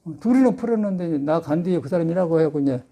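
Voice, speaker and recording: A man's voice: on the high side, lively intonation, racing, dark tone. An older man, a Buddhist monk, giving a folksy Sunday sermon full of anecdotes and laughter. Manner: chatty storytelling with laughter. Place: temple dharma hall.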